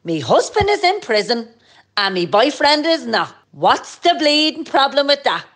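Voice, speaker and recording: A woman's voice: high-pitched, big pitch swings, normal speed, fairly bright tone. A woman voicing a brash, cursing Irish woman in a comedy radio play. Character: brash, cursing Dublin woman with big schemes.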